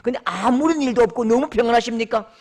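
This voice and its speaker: High-voiced Korean pastor preaching emphatically. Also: male voice, fast, a little mellow. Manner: emphatic preaching, acts out voices and calls out scripture. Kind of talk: sermon.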